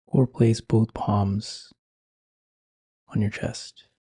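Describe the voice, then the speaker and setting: A man speaking slowly and gently with long pauses, guiding a meditation in a soft, breathy voice. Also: lowish voice, flat delivery, no room sound. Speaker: meditation guide. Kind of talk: guided meditation.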